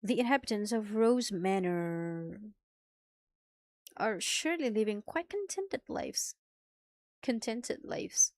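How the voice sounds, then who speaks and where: A woman's voice: medium pitch, expressive, slow pace, pauses often, no room sound. A woman voicing formal, brooding visual novel characters in a dramatic reading. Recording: music behind the voice.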